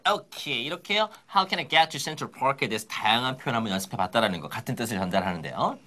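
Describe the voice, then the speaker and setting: A man leads an English lesson with a bright, forceful voice that swoops up and down. He coaxes the viewers to repeat every phrase loudly. His delivery is energetic and full of encouragement. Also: mid-range voice, fast talker. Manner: energetic, coaxing, drills phrases aloud. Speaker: English teacher. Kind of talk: upbeat language lesson.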